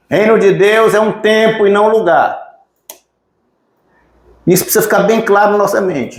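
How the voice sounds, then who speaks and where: A man's voice: sits high, darkish tone, echoey room. A male preacher from Minas Gerais with a Mineiro accent, teaching a sermon emphatically and putting questions to the congregation. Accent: Mineiro Brazilian Portuguese. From Minas Gerais, Brazil. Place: church sanctuary.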